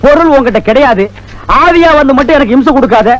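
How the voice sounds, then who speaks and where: A man's voice: very high-pitched, expressive, quick pace, a bit bright, low-quality recording. An actor playing a sarcastic male jail warden who fires off mocking comebacks in a film comedy.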